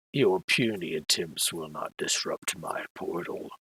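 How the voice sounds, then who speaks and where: Putting on a booming, raspy character voice, a man speaks at a fairly slow pace. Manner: menacing, disdainful.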